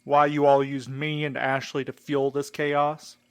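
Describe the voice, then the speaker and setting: A man's voice: mid-range voice, little pitch movement, a little slow, clear, resonant tone, lightly acted. An actor playing a guarded, bitter man in an audio drama, questioning a captive in a terse, accusing, sceptical way.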